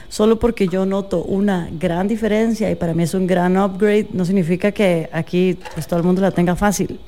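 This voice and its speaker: A young woman with a Guatemalan Spanish accent talks as an interview guest, her tone mellow and warm. She tells her stories in an unhurried, thoughtful way, pausing and hedging now and then as she works out what to say. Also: medium pitch. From Guatemala City. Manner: thoughtful, storytelling with hesitations. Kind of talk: casual conversational interview.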